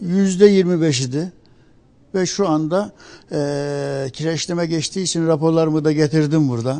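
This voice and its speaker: Speaking at a moderate pace, a man with a fairly high pitch and a dark, mellow tone shows ordinary pitch variation. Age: 60s. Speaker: patient giving testimonial. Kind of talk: testimony. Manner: halting.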